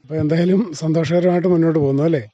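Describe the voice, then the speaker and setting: A man's voice: a little high, fairly even intonation, rapid-fire, dark tone, dry recording. A man, asking questions as a radio interviewer. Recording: dull, muffled radio recording.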